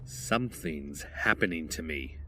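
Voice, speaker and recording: A man's voice: extremely low pitch, animated, unhurried, bright, forceful tone, a little hiss or hum, full character voice, low-quality recording. An actor playing an agitated, frightened young man in an audio drama, speaking urgently and earnestly. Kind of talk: full-cast audio drama acting.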